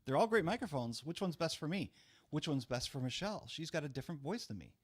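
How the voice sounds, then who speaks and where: A middle-aged man with a low, rough voice, hosting a casual live-stream chat in a small studio on a boom-arm mic. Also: very animated. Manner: brisk, chatty, talks with his hands. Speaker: host. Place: small studio room full of gear. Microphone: studio mic on boom arm, headphones on.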